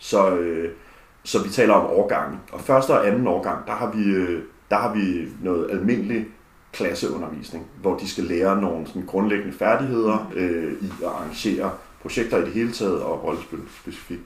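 Audible room echo around a man's moderately paced speech, fairly low in pitch with ordinary pitch variation. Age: 30s. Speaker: role-playing summer school co-director. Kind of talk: casual interview. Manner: hesitant, many fillers.

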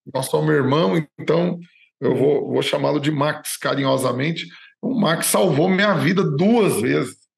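Fairly high-pitched man with vocal fry, lively intonation, very even loudness, fairly slow pace. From São Paulo, Brazil. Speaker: pastor and podcast host. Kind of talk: interview.

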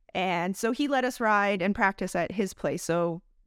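A woman with an Ontario accent is heard in a very clean recording with a silent background. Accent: Canadian (Ontario). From Canada, London, Ontario. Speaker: motocross rider and stuntwoman. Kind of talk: casual interview.

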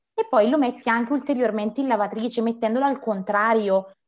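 The voice belongs to a woman and is an unremarkable speaking voice. It sits fairly high, with ordinary pitch movement. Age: 20s. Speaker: university student. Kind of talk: casual interview.

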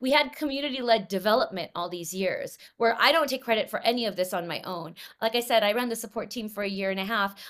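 In a Californian accent, a woman talks very fast at a fairly high pitch with ordinary pitch variation. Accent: General American, California. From US West Coast, Los Angeles. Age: 40s. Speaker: tech startup co-founder. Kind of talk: casual interview. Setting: video call.

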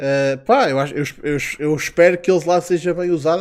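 In a very clean recording with a silent background, a man with a European Portuguese accent speaks at a fairly high pitch. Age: 20s. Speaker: wrestling podcast host. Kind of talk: casual chat. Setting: live stream.

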